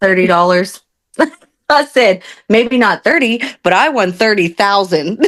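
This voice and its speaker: Very slow speech in a Louisiana accent. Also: woman. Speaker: recovering gambler, podcast guest. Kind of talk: interview answer.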